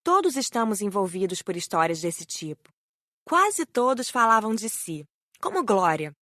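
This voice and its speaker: A woman's voice: medium pitch, big pitch swings, moderate pace, a bit bright, dry recording, clean studio sound. A woman reading scripted storytelling narration as the narrator of an audiobook.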